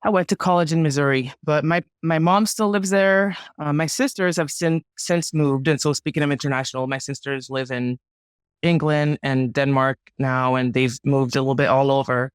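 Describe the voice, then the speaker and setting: A woman's voice: low-pitched, steady tone, moderate pace, clean tone, no room sound, clean studio sound. A woman in her forties from Montreal whose first language is French, chatting casually and easily as a guest. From Montreal, Canada. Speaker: guest pilot. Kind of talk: casual interview chat.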